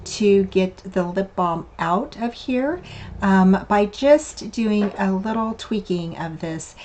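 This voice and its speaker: An older woman, hosting a card-making tutorial in a casual, rambling way with many fillers. Her voice is a little raspy and hoarse from a lingering cough. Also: mid-range voice, animated, slow, darkish tone, lo-fi sound, slight background noise. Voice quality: slightly raspy. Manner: chatty, meandering, with many fillers and restarts. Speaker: craft channel host. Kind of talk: casual craft tutorial narration.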